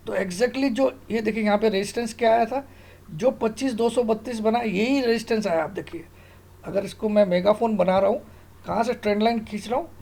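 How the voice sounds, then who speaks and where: A middle-aged man with a gravelly, creaky voice walks through material as an informal tutor. He sounds sure of himself, stresses key terms and keeps asking the listener questions. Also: high-pitched, a little mellow. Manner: repeatedly questions and checks with the listener. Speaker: stock market analyst and online tutor. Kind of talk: informal screen-tutorial explanation of trading charts.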